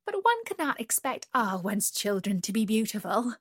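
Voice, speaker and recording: A woman's voice: on the high side, big pitch swings, normal speed, slightly rough, no echo, studio quality. A woman voicing a proud, protective mother duck in a storybook, prim and motherly. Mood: gentle.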